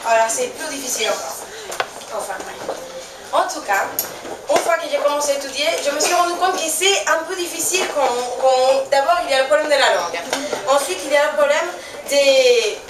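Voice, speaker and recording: A woman's voice: high-pitched, animated, normal speed, a crowd in the background. A woman from Venezuela with a Venezuelan Spanish accent, a native Spanish speaker in her twenties, doing a chatty, self-mocking stand-up show and laughing at her own jokes. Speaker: stand-up comedian. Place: stage in a small venue with a live audience. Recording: echoey room from far off, noisy.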